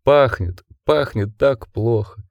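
A man voicing a dying, gentle male werewolf who speaks slowly, stressing each word, weak and fading. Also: mid-range voice, creaky, dry recording, muffled recording. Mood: tender, fading.

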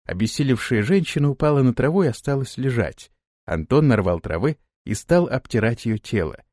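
Give me an expressive male narrator reading a fantasy story, dry and close. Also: medium pitch, brisk, no room sound. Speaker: audiobook narrator. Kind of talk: scripted narration.

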